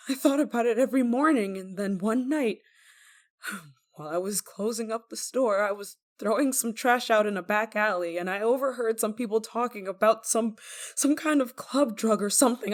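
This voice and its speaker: A woman playing a desperate, guilt-ridden young lover in an intimate audio roleplay, tender and anxious, with halting, stammering delivery. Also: medium pitch, lightly acted. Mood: desperate, confessing. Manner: halting, stammering, emotionally fragile.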